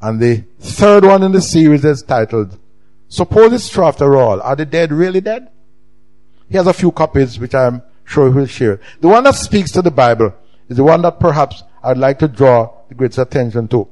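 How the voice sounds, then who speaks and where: A middle-aged man with a Jamaican accent, preaching a sermon with emphatic swings in pitch and loudness. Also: expressive, normal speed. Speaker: pastor.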